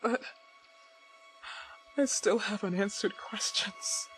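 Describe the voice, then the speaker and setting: An actress playing a troubled, defiant woman in a horror game, speaking earnestly and deliberately in dramatic, broken phrases. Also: mid-range voice, close to an everyday voice, rough recording. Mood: resigned. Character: troubled, defiant woman piecing together buried truths. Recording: faint music behind the voice. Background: faint music.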